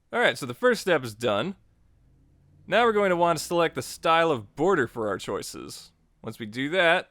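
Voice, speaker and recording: A man's voice: on the high side, fairly bright tone, dry recording, studio quality. A man narrating a scripted but casual tutorial as its host, with playful, joking asides.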